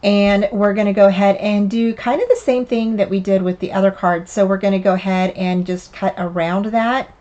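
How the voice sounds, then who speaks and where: An older woman with a lilt talks through her card-making steps in a relaxed, chatty voice. She is a bit hoarse and raspy from a cough that hasn't quite cleared, and she often trails off into fillers and restarts. Her pitch is in the middle range for a woman. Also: moderate pace, hardly any pauses, muffled recording. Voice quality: slightly raspy. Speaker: craft channel host. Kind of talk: casual craft tutorial narration.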